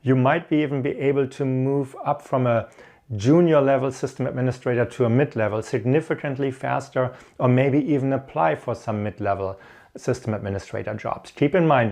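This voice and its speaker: A middle-aged man with a German accent speaks in a mid-pitched voice with noticeable creak. He explains things like a career coach, encouraging the listener and leaning on key points. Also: moderate pace, darkish tone. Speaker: host of an IT career advice channel. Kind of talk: instructional talk with personal stories.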